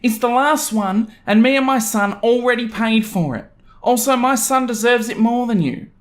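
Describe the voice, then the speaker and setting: A man voicing a haughty, indignant, demanding mother in a storytelling narration, with a shrill delivery. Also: normal speed. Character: pushy, indignant entitled middle-class mother, adult woman.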